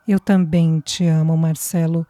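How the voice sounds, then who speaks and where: A woman's voice: sits low, flat delivery, measured pace, dark tone, no room sound. A woman reading a tearful young woman in love. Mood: tender. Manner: fragile, hesitant, close to tears. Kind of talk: audiobook dialogue reading.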